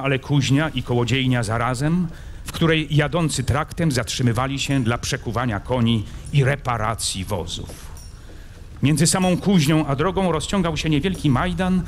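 A male actor giving an expressive live reading of classic prose at an outdoor public event, moving between slow, low passages and loud, urgent ones. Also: slight background noise. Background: live music accompaniment.

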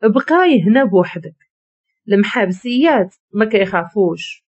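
A man's voice: high voice, lively intonation, normal speed, highs cut off. A woman voicing a cold, curt young man who speaks with a Moroccan Arabic accent in a storytelling narration. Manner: cold and sharp.

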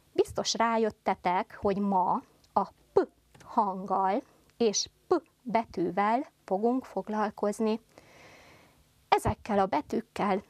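A woman teacher giving a televised first-grade lesson, speaking slowly and carefully articulating to small children. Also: medium pitch, dry recording. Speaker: primary school teacher.

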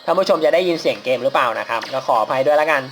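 A man's voice: mid-range voice, racing, fairly bright tone, soft background music. A man casually commentating as he plays a mobile game, polite and chatty, laughing at his own mistakes. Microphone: phone mic while playing on a phone.

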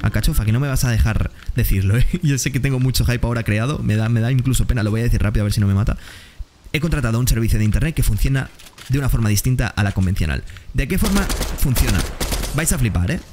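A man giving excitable, slangy commentary while playing a game. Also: mid-range voice. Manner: excitable, slangy, quick exclamations to opponents. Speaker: gaming streamer. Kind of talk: gameplay commentary. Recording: gameplay noise and gunfire behind.

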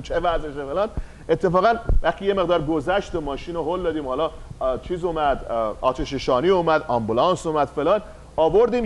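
High-voiced man preaching with fire. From Iran. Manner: animated preaching, rising to shouts of praise. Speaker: pastor. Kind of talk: sermon. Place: church.

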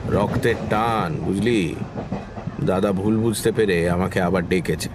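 A man's voice: low-pitched, measured pace, background noise. An actor playing an anxious but hopeful man, talking conversationally in an audio horror drama. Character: anxious Bengali man, friend of the narrator, uneasy but hopeful. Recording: music behind the voice.

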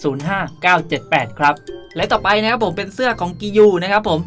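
A man with a high, animated, fairly bright voice talks fast while hosting a casual game tutorial. He's the video's creator, chatting politely and often turning to address viewers, while music plays in the background.

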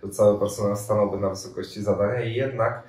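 A man's voice: fairly low pitch, fairly even intonation, quick pace, a little mellow. A man in his thirties, a volunteer coordinator answering interview questions, hesitant with many fillers and restarts. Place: room with armchairs and radiator, indoors. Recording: echoey room, mic at a distance.

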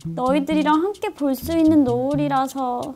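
Very high-pitched gushing woman narrator. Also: steady tone, moderate pace, music in the background. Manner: gushing, teasing fan-like quips. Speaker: narrator of an idol variety clip. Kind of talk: playful voice-over commentary.

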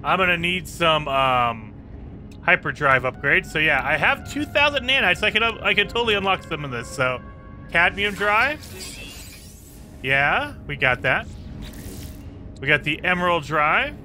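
A man hosting a gaming channel, chatting casually through gameplay, his voice a bit raspy and hoarse today. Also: on the high side, big pitch swings, unhurried, long pauses, bright, forceful tone, soft background music. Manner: chatty, talks to viewers while playing. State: slightly hoarse.

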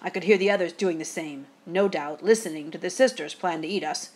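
A woman playing a quick-witted, teasing father who spins a ghost tale with drawn-out suspense. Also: on the low side, a little mellow, breathy edge. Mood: hushed suspense.

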